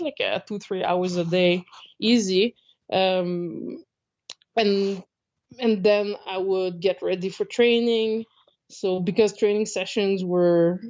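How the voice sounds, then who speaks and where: Chatty Canadian woman on a muffled call. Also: medium pitch. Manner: chatty and animated, laughs often, acts out quotes. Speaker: guest, traveling jiu-jitsu instructor. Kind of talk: casual remote interview.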